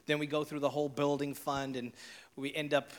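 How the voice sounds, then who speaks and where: A man in his forties sits as an interview guest and tells his story in a lively way, laughing as he goes. His voice sits a little higher than most men's. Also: fairly quick. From South Africa. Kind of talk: animated personal storytelling.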